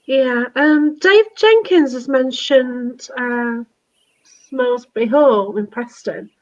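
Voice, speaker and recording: A woman's voice: high voice, takes it slowly, a little mellow. A woman hosting a casual live chat, enthusiastic and chatty, often ending on tag questions. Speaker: host taking viewer questions. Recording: dull, lo-fi audio.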